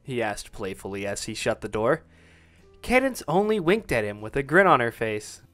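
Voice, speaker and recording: A man's voice: medium pitch, sing-song, moderate pace, fairly bright tone, soft background music. A man narrating a romantic fan fiction story in a scripted, dramatic reading style.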